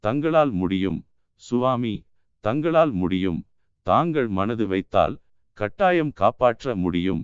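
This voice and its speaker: A man's voice: lowish voice, big pitch swings, a little slow, clean tone, dry recording, dull audio. Desperate young woman begging for help, read by a man. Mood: desperate pleading. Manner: pleading, anguished. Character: young woman sculptor's daughter, desperate, pleading.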